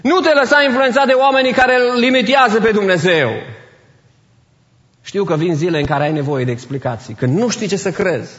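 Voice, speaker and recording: A man's voice: high voice, a bit bright. A man preaching a sermon as pastor, emphatic, repeating key phrases and slipping in English phrases. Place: church. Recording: reverberant church hall, dull sound.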